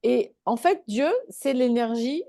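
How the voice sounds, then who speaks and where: A woman's voice: on the high side, takes it slowly, gravelly, dark tone, dry recording, clean studio sound. A woman giving a live spiritual talk to a small online group, speaking conversationally and checking in with her listeners.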